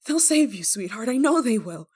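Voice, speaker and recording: High-pitched, desperate, obsessive woman lover acted. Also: very animated, a little mellow, breathy edge. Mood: desperate hope. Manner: halting, pleading, stammering delivery. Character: obsessive yandere lover, a desperate, guilt-ridden woman pleading. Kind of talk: ASMR roleplay monologue, emotional acting.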